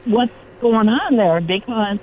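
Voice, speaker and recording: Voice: medium pitch, animated, slow. A caller in their nineties on a garbled phone line that sounds underwater, talking in a worried, rambling way. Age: 90s. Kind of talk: call-in radio chat. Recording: tinny, noisy, bubbling phone line.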